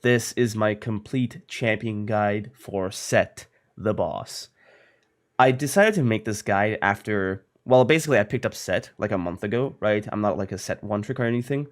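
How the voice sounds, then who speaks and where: A man's voice: lowish voice, normal speed. A young man, a little sick, casually explaining a video game strategy in a guide, tossing in lots of fillers and "right?". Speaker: gaming content creator.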